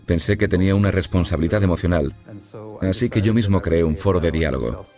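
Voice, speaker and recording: A man, organizer of dialogue meetings, explaining his project calmly in a dubbed interview. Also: low voice, fast, over music.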